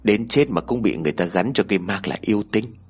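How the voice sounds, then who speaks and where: A man's voice: lowish voice, lively intonation, quick pace, darkish tone, breathy edge. A man voicing a fretful, scolding elderly grandmother in a village ghost story, with a chiding, clucking way of talking. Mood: worried.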